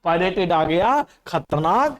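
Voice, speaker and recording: A man teaching a class, who reads lines of an English poem slowly and then explains them with lively asides. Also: high voice.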